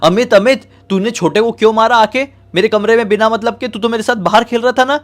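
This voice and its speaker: A man's voice: sits high, moderate pace, pitched above the performer's own voice. A man voicing an agitated schoolboy who demands answers from a friend. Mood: angry. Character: schoolboy, agitated older brother.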